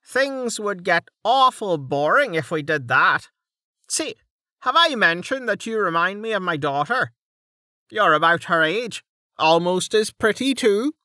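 A narrator playing a bickering male guard at the end of his patience, scornful and condescending. The voice sits clearly higher than the narration and swings widely. Close, dry recording. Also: very animated, slow, fairly bright tone, no echo. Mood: patronizing. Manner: insulting, exasperated, patronizing.

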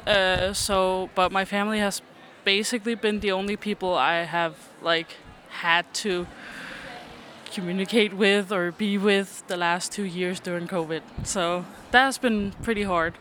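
A street interviewee speaking hesitantly, with many fillers and pauses. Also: mid-range voice, fairly even intonation, pushed and bright, slight background noise.

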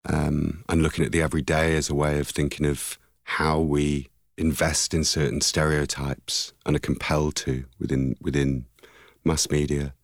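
A man in his forties with a very deep, low voice talks through his artistic past in an interview. He is reflective and searching, pausing and restarting as he finds his words. The sound is dry and close. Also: flat delivery, gravelly, no echo. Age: 40s. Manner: thoughtful, searching, with pauses and restarts. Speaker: artist guest.

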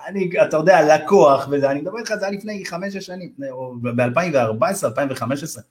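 A man from Israel's Ethiopian community, a real estate advisor, telling a story in a loose, slangy, animated way and acting out the dialogue. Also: fairly high pitch. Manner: animated, acts out quoted dialogue in raised voices; loose, slangy, addresses listener as bro. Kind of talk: casual storytelling in a podcast interview.

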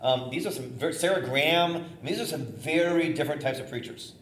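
Energetic bishop teaching preaching, echoey room. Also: male voice, fairly high pitch, brisk. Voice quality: loud voice, theater-trained. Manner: conversational, energetic, with fillers and restarts. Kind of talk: informal teaching talk on preaching. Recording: echoey room, faint noise.

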